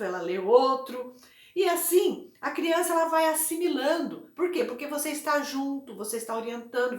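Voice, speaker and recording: High-voiced woman teaching in an echoey room. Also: a bit bright. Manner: chatty, punctuates with "né?". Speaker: educational psychologist. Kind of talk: informal teaching talk to parents.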